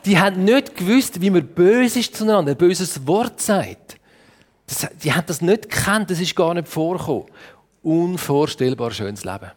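A man with a Swiss German accent telling a Bible story to children in a playful, lively way and asking them questions. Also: sits high, moderate pace. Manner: playful, asks the audience questions.

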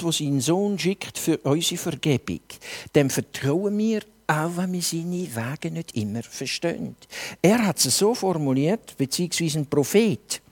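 A preacher with a Swiss German accent, delivering a sermon with earnest rhetorical questions addressed straight to the listeners. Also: mid-range voice.

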